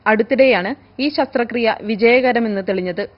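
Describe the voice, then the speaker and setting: Higher-voiced woman reading formal news. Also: moderate pace. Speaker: news reader. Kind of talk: scripted news narration. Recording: dull, lo-fi broadcast audio.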